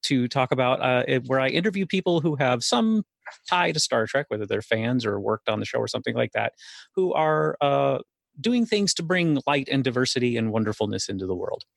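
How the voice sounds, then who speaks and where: A man guest on a podcast, talking in a measured way with many hesitations. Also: medium pitch, animated, creaky, dry recording. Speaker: podcast guest, network founder. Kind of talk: casual podcast chat.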